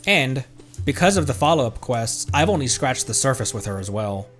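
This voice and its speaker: A man's voice: very animated, moderate pace, a bit bright, faint music behind. A young man streaming a game, talking casually with a tight, strained throat and a slightly shredded voice, rambling with fillers and restarts. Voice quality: tight throat, voice pushed into a higher register. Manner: rambling, with many fillers and self-corrections. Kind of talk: casual live gameplay commentary.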